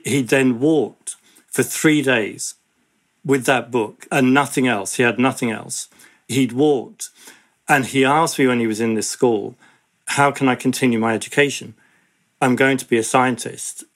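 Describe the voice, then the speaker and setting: A man speaking as an interviewee, measured and passionate, with frequent "you know" fillers. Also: medium pitch, a bit bright. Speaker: education campaigner, interviewee. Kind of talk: earnest interview talk.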